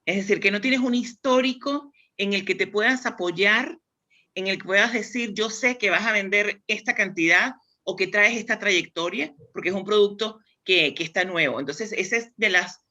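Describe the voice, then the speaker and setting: A woman's voice: mid-range voice, moderate pace, pushed and bright. A woman from Spain with a Spanish accent, a guest explaining demand planning in a thoughtful, conversational way with frequent restarts. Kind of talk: conversational interview.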